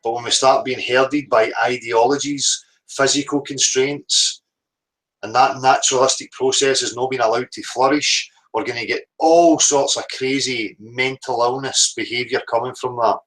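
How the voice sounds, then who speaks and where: A man's voice: medium pitch, fairly even intonation, normal speed, fairly bright tone, low-quality recording. A man with a Northern Irish accent hosting a live stream, musing in a rambling, reflective way with casual swearing and an easy, unscripted flow.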